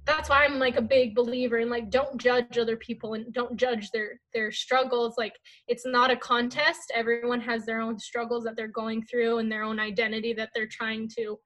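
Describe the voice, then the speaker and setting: Chatty woman with a higher voice. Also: level tone, moderate pace, hardly any pauses, a bit bright. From United States. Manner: chatty, many "like" fillers and restarts. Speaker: guest. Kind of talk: casual interview chat.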